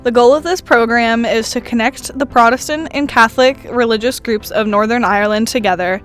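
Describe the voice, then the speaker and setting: A teenage girl narrates a student news segment in an even, read-aloud style. Her voice sits a little high, and soft music plays underneath. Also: brisk. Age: teens. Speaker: student reporter. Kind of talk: scripted news voice-over.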